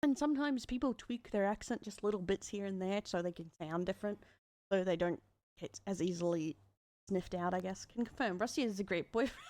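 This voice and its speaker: A woman's voice: mid-range voice, brisk, dark tone. A woman with an Australian accent giving casual, rambling streaming commentary.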